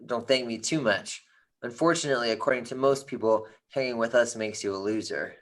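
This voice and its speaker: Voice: mid-range voice, a little fast, close to an everyday voice. Performer as an earnest, stammering teenage boy. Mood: earnest, hesitant. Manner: stammers on words. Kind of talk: script read at a virtual table read.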